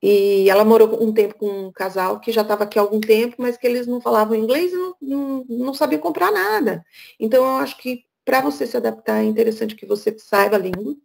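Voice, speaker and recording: A woman's voice: on the high side, quick pace, vocal fry, darkish tone. A middle-aged woman from Brazil, speaking as a guest speaker over a video call, frank and chatty. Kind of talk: casual talk on a video call.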